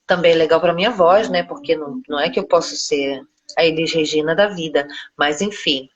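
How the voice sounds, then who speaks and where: A woman's voice: sits low, fairly quick, lo-fi sound. Brazilian woman, middle-aged, chatting. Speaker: interview guest, singer. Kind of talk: casual interview chat.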